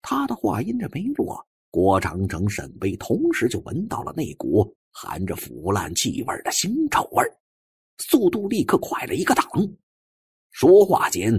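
A male audiobook narrator tells a suspense story dramatically. His voice is very husky, with a medium pitch that swings extremely widely, recorded dry and close. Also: wildly swooping pitch, normal speed, no echo.

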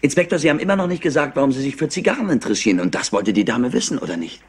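An actor playing a clever, overexcited and smug rich nephew in a German crime drama, talkative and theatrical. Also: male voice, mid-range voice, lively intonation, racing, slightly rough. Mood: smug, pressing. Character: highly intelligent, overexcited, smug nephew of an industrialist. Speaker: actor dubbing a suspect. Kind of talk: German crime drama dub, animated acting.

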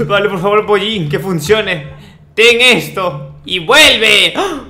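Young man, bright high voice, excitable gaming chatter. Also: slow, slight background noise. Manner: excitable, shouting at enemies, comic. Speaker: gaming youtuber. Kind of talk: playing a game.

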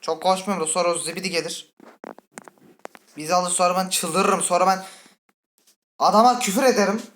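A woman playing a horror game and commenting with a Turkish accent, chatty and full of swearing, breaking into startled high shrieks. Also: steady tone, a little fast, a little hiss or hum. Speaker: gaming channel host. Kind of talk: let's play commentary. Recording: faint game music behind.

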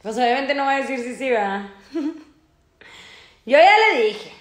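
A woman in her thirties with a Mexican accent, chatting loudly and intensely as she answers fan questions. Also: fairly high pitch, normal speed, roomy sound. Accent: Mexican Spanish. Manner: loud, intense, laughs often. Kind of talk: casual couple Q&A chat.

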